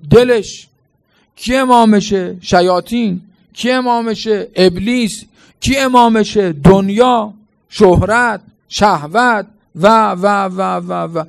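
A man's voice: high voice, gravelly. A man preaching a sermon at a mourning gathering, firing rhetorical questions and answering them emphatically.

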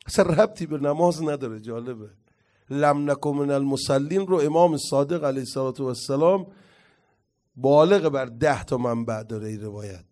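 A man giving an impassioned religious lecture as a cleric, reciting Arabic quotations slowly and swinging between loud declaiming and quiet asides. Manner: impassioned, rising to loud declaiming then dropping low.

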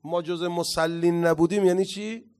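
A man giving an impassioned religious lecture as a cleric, reciting Arabic quotations slowly and swinging between loud declaiming and quiet asides. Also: steady tone, clean tone. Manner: impassioned, rising to loud declaiming then dropping low.

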